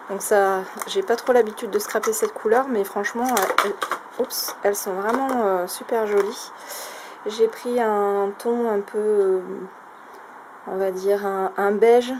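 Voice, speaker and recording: A woman's voice: mid-range voice, steady tone, measured pace. A woman casually showing a craft shopping haul, talking in a chatty, hesitant way with many fillers. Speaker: craft vlogger. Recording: noisy home recording.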